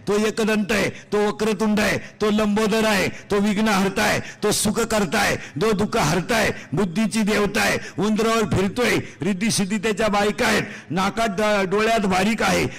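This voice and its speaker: High-voiced man preaching a comic sermon. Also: fairly bright tone. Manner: quizzes the audience in quick call-and-response; joking, teasing, rustic storytelling. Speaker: kirtan preacher. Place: live religious gathering before an audience.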